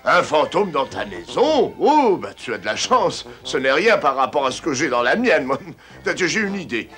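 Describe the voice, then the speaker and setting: Blustering, bright-voiced cartoon uncle. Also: male voice, a little high, sing-song, moderate pace, soft background music. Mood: scheming. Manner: blustery, stammering, exclamatory. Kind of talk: French cartoon dubbing.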